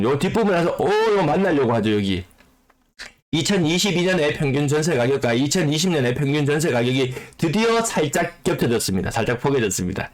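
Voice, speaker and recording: A man whose voice is rough from a cold, explaining housing market figures and repeating key phrases for emphasis. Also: medium pitch. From South Korea. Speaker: real estate YouTuber. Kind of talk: data commentary on the housing market.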